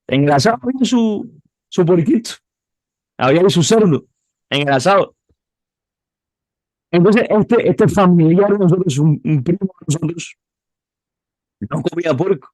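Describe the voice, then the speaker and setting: A youth pastor in his twenties speaks with a Cuban accent, telling his story in a loose, conversational way full of restarts and repeated words. His voice sits a little on the high side for a man. The sound is dry and close, with no room echo. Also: expressive, measured pace, pauses often, a little mellow. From Cuba. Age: 20s. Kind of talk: personal testimony interview.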